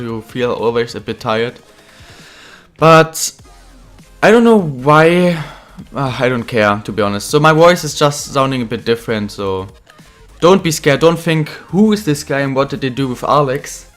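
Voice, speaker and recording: A young man who is a bit ill, chatting casually while commentating his own football video game career, getting excited at goals. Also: medium pitch, normal speed, faint music behind. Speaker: gaming channel host.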